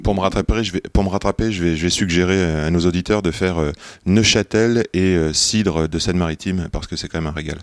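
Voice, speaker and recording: A man's voice: low-pitched, quick pace. A man hosting an interview, asking questions in a friendly, joking way. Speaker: podcast host. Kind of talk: casual interview.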